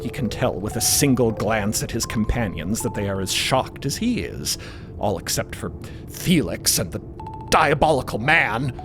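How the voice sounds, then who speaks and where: A man narrating a scripted story in an expressive, theatrical way. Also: on the low side, normal speed, over music.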